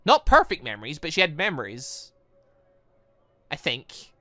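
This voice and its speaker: High-pitched, animated male gamer. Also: measured pace, dry recording. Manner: theatrical, stumbles over lines and blurts exclamations. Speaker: gaming channel host. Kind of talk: reading visual novel dialogue aloud with excited reactions.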